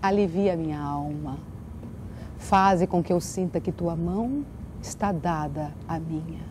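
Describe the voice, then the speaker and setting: A woman's voice: fairly low pitch, a little slow, background noise. A woman speaking earnestly as a guest, in the manner of someone who performs. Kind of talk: earnest interview talk and poetic recitation.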